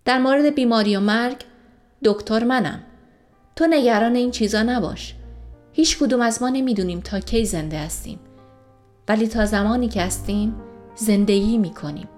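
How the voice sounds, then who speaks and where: A calm male doctor, serious but caring, talking in a gentle, steady and reassuring way, as a woman reads him in her own rather high voice. Soft music plays faintly behind him in this audio story. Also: natural voice.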